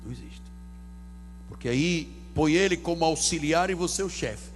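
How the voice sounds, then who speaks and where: A man pastor, preaching a sermon from the pulpit with theatrical swings between loud and hushed delivery. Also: fairly high pitch, normal speed, a little hiss or hum. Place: church sanctuary.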